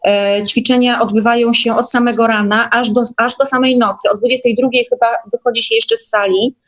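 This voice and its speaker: Higher-pitched woman chatting as a guest. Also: fairly even intonation, brisk, rough recording. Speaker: guest recounting course experiences. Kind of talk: casual conversational interview. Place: online call.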